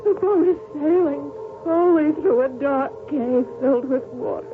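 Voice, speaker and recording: Brief: actress as a haunted young champion, feverish, pleading, old-time radio sound. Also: female voice, high-pitched, normal speed, music in the background, lightly acted. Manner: feverish, dreamlike monologues. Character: anguished young woman tennis champion, tormented. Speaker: tennis champion. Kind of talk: 1940s radio acting. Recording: tinny old radio broadcast.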